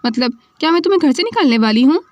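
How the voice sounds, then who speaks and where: A woman's voice: high-pitched, big pitch swings, rapid-fire, dry recording. A woman voicing an affectionate middle-aged mother-in-law who teases playfully. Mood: teasing. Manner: warm, playful teasing.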